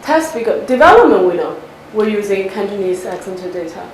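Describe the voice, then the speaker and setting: A woman giving a technical research talk, explaining step by step and often checking with a quick "right?". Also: mid-range voice, very animated, rough recording. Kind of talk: technical lecture with questions from listeners.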